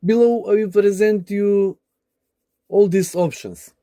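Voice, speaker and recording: A man presents a hands-on tech demonstration in a very soft-edged, dark voice that sits fairly high for a male. He speaks slowly, with deliberate and halting phrasing, as music plays behind him. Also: steady tone. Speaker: presenter demonstrating a DIY electronics project. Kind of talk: scripted tutorial narration.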